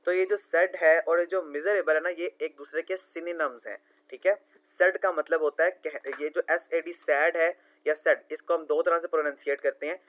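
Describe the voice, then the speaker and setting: Man tutoring, spelling words slowly. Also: fairly high pitch, fairly even intonation, a bit bright, poor audio. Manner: explanatory, repeats and spells words slowly letter by letter. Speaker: online tutor solving quiz answers. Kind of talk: screen-recorded lesson explanation.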